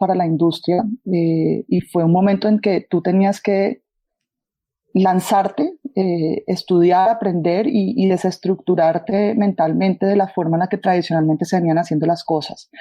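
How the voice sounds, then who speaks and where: A woman speaks at a fairly slow pace, her medium pitch rising and falling in an ordinary way. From Colombia, Cali. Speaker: advertising executive. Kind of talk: interview.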